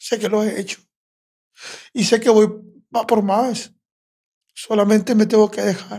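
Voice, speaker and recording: A man's high-pitched, dark, mellow voice in a monotone, flat intonation, at a fairly slow pace with long, frequent pauses, over a quiet background. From Sinaloa, Mexico. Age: 50s. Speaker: rehab center director, recovering addict; podcast guest. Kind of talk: interview testimony. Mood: reflective, personal life story. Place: studio. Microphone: studio mic.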